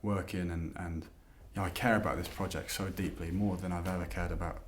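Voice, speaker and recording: A man's voice: low-pitched, steady tone, brisk, slight background noise. A young male actor speaking in a heartfelt way about his role, often searching for the right words. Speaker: lead actor.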